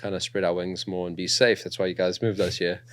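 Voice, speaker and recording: On a casual podcast, a young man from South Africa, whose accent shows New Zealand influence, relates his story at a brisk clip in a low-pitched, clean-toned voice. The telling is relaxed and laced with frequent fillers.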